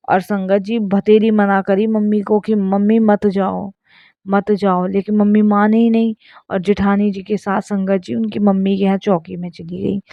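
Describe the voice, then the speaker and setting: A woman's voice: medium pitch, warm tone, no room sound. Earnest woman giving a devotional testimony. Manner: earnest, addresses listeners repeatedly. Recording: dull lo-fi sound.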